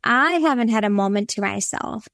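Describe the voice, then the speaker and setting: A woman's voice: a little high, moderate pace, gravelly, fairly bright tone, no echo, clean studio sound. A young woman from Latvia with a Minnesota accent, a podcast guest giving earnest, encouraging advice on parenting. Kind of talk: conversational interview.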